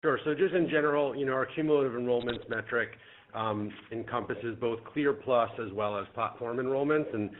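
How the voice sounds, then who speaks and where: A man speaking as a company executive, giving careful, measured answers on an earnings call. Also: medium pitch, slight background noise. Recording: muffled phone-line conference call.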